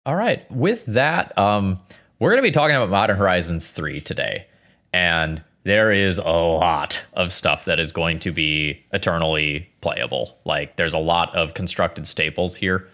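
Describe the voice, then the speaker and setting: A man co-hosting a podcast, reading ads and introducing topics with a brisk, lively delivery. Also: sits low. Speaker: podcast co-host. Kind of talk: casual podcast talk and ad reads.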